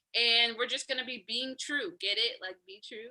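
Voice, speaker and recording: Projecting a raised voice, a woman with an American accent speaks at a high pitch with ordinary pitch variation. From California. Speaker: online talk show host. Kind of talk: casual chat.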